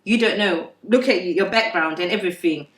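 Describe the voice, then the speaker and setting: A woman on a discussion panel, talking in a casual, animated way, laughing and swearing freely. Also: fairly low pitch, a little fast. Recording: echoey room from far off.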